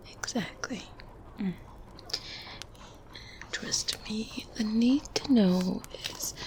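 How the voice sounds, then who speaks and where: A woman playing a brisk, secretive, faintly condescending good witch in a soft, breathy, whispered ASMR roleplay. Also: mid-range voice. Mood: brisk, commanding. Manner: slow, deliberate, hushed, commanding.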